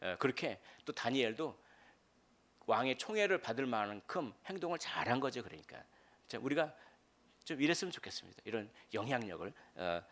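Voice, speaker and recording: Animated Korean pastor preaching. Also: male voice, mid-range voice, a little fast. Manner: conversational preaching with many fillers, rising to loud dramatic quotes. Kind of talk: midweek sermon.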